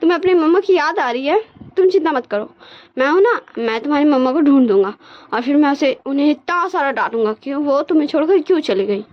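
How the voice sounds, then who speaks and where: A woman's voice: high voice, quick pace, lo-fi sound, natural voice. A woman voicing a cheerful young man who turns childlike and tearful when he misses his mother. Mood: tender, tearful.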